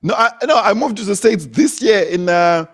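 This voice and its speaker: A man's voice: sits high, expressive, moderate pace. A young man from Zimbabwe, a comedian, telling stories in casual conversation, laughing often and repeating words as he goes. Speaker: comedian, guest.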